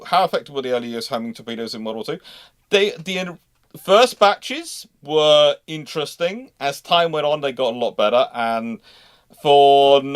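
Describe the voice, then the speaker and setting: A man hosting a casual live question-and-answer stream, explaining as an expert in a halting way, often repeating and rephrasing mid-thought. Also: a little high, fairly bright tone, dry recording.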